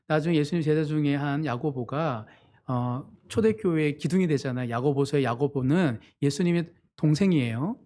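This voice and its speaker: Male pastor, sermon delivery, earnest, a touch higher-pitched than most men. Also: normal speed, mellow. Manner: earnest preaching, voices quoted family members with sudden pitch jumps.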